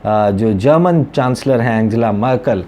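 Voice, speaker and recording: A Pakistani man with a soft, mellow voice at a middle pitch presents news commentary. He explains things conversationally, dropping English words into his speech. There is some steady ambient noise behind him. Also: measured pace. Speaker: journalist covering foreign policy, presenter. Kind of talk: news commentary addressed to viewers.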